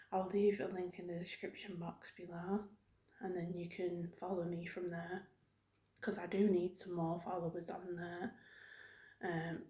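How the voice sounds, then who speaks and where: A woman speaking softly in an ASMR style, rambling gently and haltingly as she talks to her viewers. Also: medium pitch. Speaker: video creator hosting her own channel. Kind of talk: soft-spoken ASMR ramble about video games. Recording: roomy, echoing sound.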